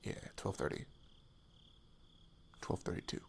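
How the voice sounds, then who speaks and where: A man playing a sweet, shyly affectionate best friend in an intimate ASMR roleplay, speaking softly and haltingly, often near a whisper. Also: a little hiss or hum, close to an everyday voice. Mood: fond, confiding. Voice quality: soft, breathy, often dropping to a whisper. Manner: hesitant, halting, chatty and tender. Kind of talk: intimate ASMR roleplay, soft improvised-sounding talk.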